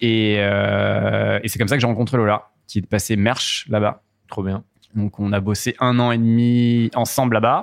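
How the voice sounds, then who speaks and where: In a very clean recording with a silent background, the speaker talks at a fairly slow pace with monotone, flat intonation. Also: man, fairly low pitch for a man. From abroad: USA and Caribbean (Saint-Barth, Dominican Republic). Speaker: coffee shop founder and barista. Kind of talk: casual interview. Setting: inside a coffee shop after closing.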